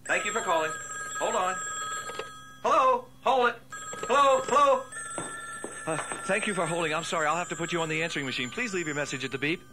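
A man playing a frantic office employee, hurried and hesitant in a comic answering greeting. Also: sits high, close to an everyday voice. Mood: flustered. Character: frantic, flustered office employee juggling phone calls. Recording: noisy tape with ringing telephones.

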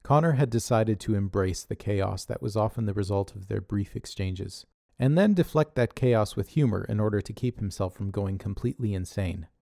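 A man's voice: on the low side, moderate pace, creaky, hardly any pauses, dark tone, dry recording. A man narrating a scripted audio drama with dry, wry humor. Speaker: narrator and writer.

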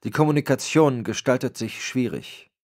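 A man's voice: mid-range voice, lively intonation, normal speed, darkish tone, voice pushed up. A man voicing a formal, fussy AI assistant program in an audiobook. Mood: puzzled. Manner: precise, formal.

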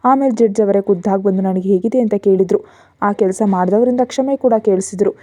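A gentle, devoted young man from a storybook speaks softly and respectfully, as a woman reader puts him on. The tone is very dark and mellow, recorded close with no room sound. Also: mid-range voice, a little fast, no echo, lightly acted. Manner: soft, respectful, apologetic.

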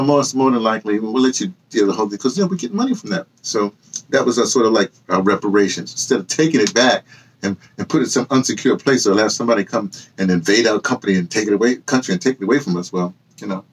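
A man in his sixties speaks in a fairly deep voice with a rough, husky grain. He rambles casually like a channel host sharing memories, circling back and rephrasing himself as he goes. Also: rough recording. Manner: digressive, self-correcting storytelling. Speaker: host of a personal memoir channel, audio dramatist. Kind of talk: casual rambling monologue to camera. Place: small indoor room with bookshelves and hung clothes.

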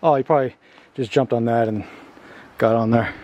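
A man in his thirties narrating a casual exploration vlog as he walks, informal and halting, thinking aloud. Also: mid-range voice, steady tone, highs cut off. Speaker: host exploring abandoned places. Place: outdoors and inside derelict buildings, walking. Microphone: handheld camera at arm's length. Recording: outdoor camera audio with background noise.

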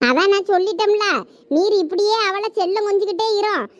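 The audio sounds dull, but the woman's voice comes through very high-pitched. She has a Thoothukudi Tamil accent and plays a village mother in a comedy skit who keeps scolding her daughter with quick, sharp nagging.

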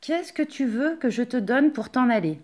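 A woman's voice: on the high side, lively intonation, normal speed, a little mellow. A woman voicing an impatient, commanding king of the dwarves in a storybook tale. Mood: bargaining. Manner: commanding, bargaining.

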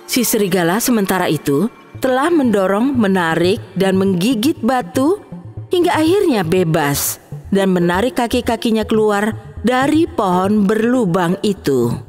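A woman narrates a children's bedtime story at a measured pace, her clear, lively storytelling voice rising and falling widely in pitch. Faint music plays behind her.

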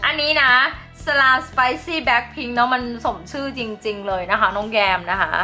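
A woman's voice: on the high side, fairly quick, pushed and bright, faint music behind. A woman hosting a casual chat vlog in a chatty, giggly, playful way. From Thailand. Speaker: slime channel host.

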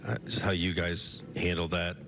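A man's voice: low voice, moderate pace, music in the background. A man, a reporter, asking long conversational questions at a press conference. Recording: broadcast feed with steady background noise.

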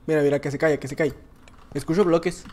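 A man with a Mexican Spanish accent giving casual, excitable gameplay commentary, full of slang, laughing and often shouting. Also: a little high, fast talker. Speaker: gaming YouTuber.

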